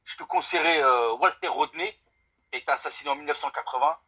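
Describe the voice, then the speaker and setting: A man's voice: on the high side, quick pace, sharp tone, husky. A young man from France calling in to a live stream, speaking earnestly and emphatically and swearing by God to stress his points. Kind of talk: casual debate call.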